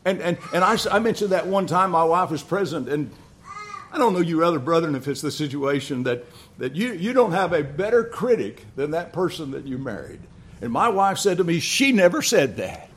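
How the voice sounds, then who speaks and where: A man's voice: a little high, big pitch swings, a bit bright. An older man preaching a sermon, telling family stories with frequent restarts and chuckles. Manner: storytelling, halting with repeated restarts.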